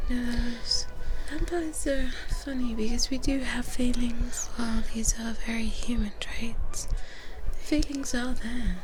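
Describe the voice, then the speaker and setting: A woman playing a gentle vampire sister in an ASMR roleplay, reassuring in a breathy whisper close to the microphone. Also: on the high side. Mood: comforting. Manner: soothing, reassuring, slow and deliberate. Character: gentle female vampire twins soothing a young fledgling. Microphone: close microphone for headphone listening.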